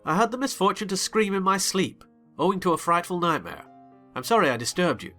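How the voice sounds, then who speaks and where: A man reading a novel aloud as a dramatized audiobook, theatrical and quick to rise into excited shouts. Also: sits high, faint music behind. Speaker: narrator.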